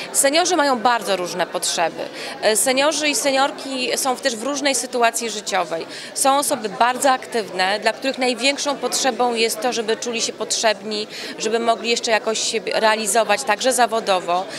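Crowd noise fills the background. Over it, a woman talks at a fairly quick pace. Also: ordinary pitch variation. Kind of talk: interview answer. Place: hall. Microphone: handheld.

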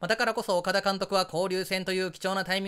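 A man speaks at a very fast pace, his pitch high for a man. His tone is bright and sharp. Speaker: sports YouTuber covering a baseball team. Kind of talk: solo video commentary on baseball.

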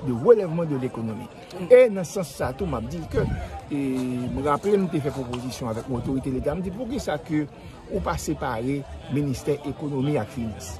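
A man talks at a fairly quick pace in a fairly high pitch, his voice dry with no echo while crowd noise carries in the background. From Haiti. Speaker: university professor. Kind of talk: press statement. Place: open country. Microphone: handheld.

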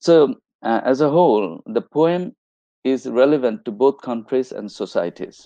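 Over a quiet background, a man with a Bengali accent speaks in a dark, mellow tone, the sound dry with no echo. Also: lively intonation, fairly slow pace. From Bangladesh. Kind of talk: reading group discussion. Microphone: video call.

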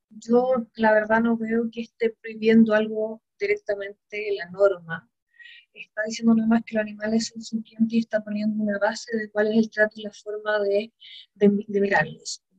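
Against a quiet background, a woman talks at a moderate pace in a fairly high pitch. Her voice is somewhat breathy and her intonation monotone and flat. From Chile. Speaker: constitutional convention delegate. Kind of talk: committee deliberation. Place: home room. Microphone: video call.

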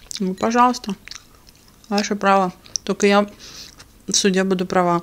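This is a woman's voice. Her intonation is monotone and flat. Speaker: mukbang vlogger. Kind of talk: casual vlog chat. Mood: indignant storytelling. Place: home room. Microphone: phone near.

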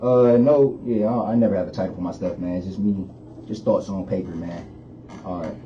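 Light background noise sits under the recording. A man with a fairly low pitch talks at a fairly quick pace with ordinary pitch variation. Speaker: college athlete and radio co-host; radio co-host. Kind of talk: casual chat. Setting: studio. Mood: opinionated, conversational. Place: studio.

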